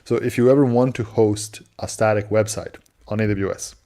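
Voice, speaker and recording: Man from Serbia, lowish voice, casual explaining, video call. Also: fairly even intonation, normal speed, dark tone. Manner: explanatory, restarts, laughs often. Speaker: co-host answering cloud questions. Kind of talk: casual live-stream chat.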